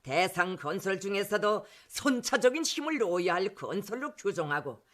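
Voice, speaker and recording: A man's voice: sits high, sing-song, normal speed, a bit bright. A man with a North Korean accent reading a formal scripted political speech in a solemn, emphatic, declamatory manner.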